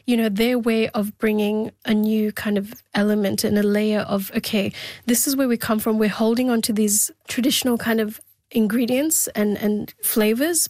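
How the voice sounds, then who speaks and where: A woman guest answering interview questions in a quick, animated way with many fillers. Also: medium pitch, no echo, clean studio sound.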